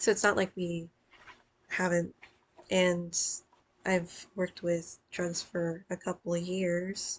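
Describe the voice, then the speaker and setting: The speaker talks very slowly with an unvarying, monotone delivery in a Northeastern US accent. Long pauses come often. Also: woman, fairly low pitch for a woman. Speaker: pharmacy student, vlogger. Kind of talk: casual vlog chat. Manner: slurs words, weak L sounds; rambling, many fillers.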